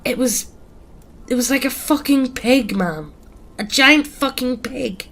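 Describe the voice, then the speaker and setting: A woman voicing a panicked young man who sobs and shouts in terror while telling a horror story. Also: high voice, slow pace, pitched above the performer's own voice, heavily acted. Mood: terrified, sobbing.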